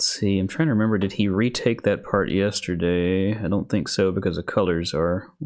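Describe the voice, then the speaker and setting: A man mumbles at a fairly quick pace and fairly low pitch with hardly any pauses. His loudness stays very even. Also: ordinary pitch variation. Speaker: music production streamer. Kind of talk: casual livestream tutorial. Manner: mumbling to himself.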